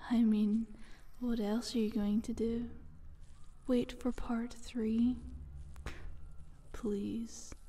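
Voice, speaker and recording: A woman playing a sly, taunting eldritch monster in a soft, breathy, half-whispered ASMR roleplay. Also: on the high side. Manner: slow, teasing, condescending.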